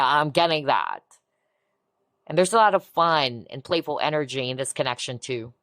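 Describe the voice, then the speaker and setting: A woman giving a collective tarot reading in a soft, reassuring way, often breaking into amazed exclamations. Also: deep voice, dry recording. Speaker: tarot reader. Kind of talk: pick-a-card tarot reading.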